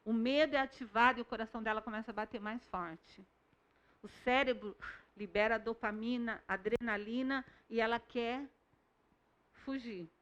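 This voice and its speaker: A woman teaching a recorded Bible school lesson, calmly explaining with stories from her classroom. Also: on the high side, normal speed, muffled recording.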